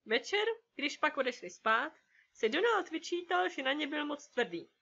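Lively high-voiced woman reading a children's story. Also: creaky, highs cut off. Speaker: audiobook narrator. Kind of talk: scripted narration of a children's story.

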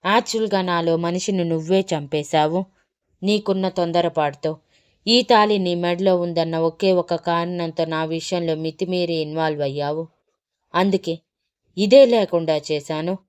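An enraged, hot-tempered young husband, put on by a woman narrator, hurls scornful accusations at his wife. The voice sits low and smooth, with clean, resonant edges even at its loudest. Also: normal speed, natural voice. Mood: furious.

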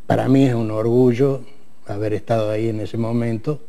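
An older Argentine man in his eighties speaks as a studio guest. His voice is dark and mellow at a middle pitch. He talks haltingly, with frequent fillers and restarts, on a lapel mic. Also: fairly even intonation. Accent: Argentine Spanish. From Córdoba, Argentina. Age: 80s. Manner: hesitant, many fillers and restarts. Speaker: interview guest, retired military man. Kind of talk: casual interview.

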